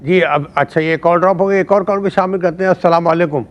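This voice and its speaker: A man's voice: sits high, fairly even intonation, dull audio. A male host of a call-in show who greets callers and closes each call with a formal, courteous prayer.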